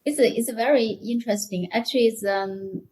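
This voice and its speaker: A woman with a Chinese accent chatting as a podcast guest in a halting, hesitant way. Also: fairly high pitch, a little mellow. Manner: halting, hesitant, many short restarts. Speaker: podcast guest, technical author. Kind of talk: casual interview chat.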